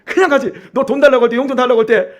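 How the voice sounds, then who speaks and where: A man's voice: very high-pitched, fairly even intonation, racing. A man preaching a sermon as pastor in a church, emphatic and repeatedly asking his congregation questions. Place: church sanctuary.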